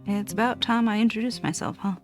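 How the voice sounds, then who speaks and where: A woman in her late thirties, originally from Costa Rica with Spanish as her first language, chatting casually and rambling as she introduces her channel from a dark room at home. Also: mid-range voice, fairly even intonation, fairly quick, faint music behind. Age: 30s. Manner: meandering, self-correcting, chatty. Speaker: cross-stitch vlogger.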